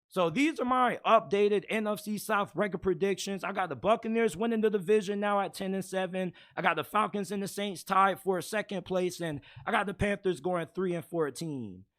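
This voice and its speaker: A man with a raspy, hoarse voice hosts casual sports talk in a strikingly high register. His tone is bright and sharp, and his delivery is blunt and opinionated, quick to get heated. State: hoarse from yelling. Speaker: sports commentator host.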